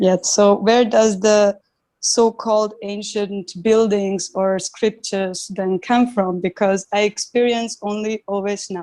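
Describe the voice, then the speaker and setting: In a non-native accent, a woman speaks very slowly with a dark, mellow tone and flat, monotone intonation. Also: medium pitch for a woman. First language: not English. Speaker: satsang participant asking a question. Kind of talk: spiritual question, partly read aloud. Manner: halting.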